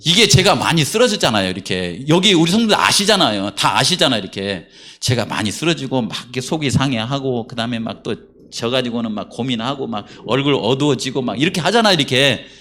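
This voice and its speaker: A man's voice: mid-range voice, fast, hardly any pauses. A middle-aged male pastor giving a conversational sermon in a church, asking the congregation questions as he talks. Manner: conversational, animated preaching with rhetorical questions to the congregation. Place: church sanctuary.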